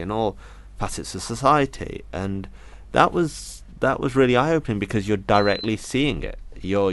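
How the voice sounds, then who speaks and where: A man, an interview guest, thoughtfully recounting a personal experience in an earnest, detailed way. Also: deep voice. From Britain. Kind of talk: reflective personal account.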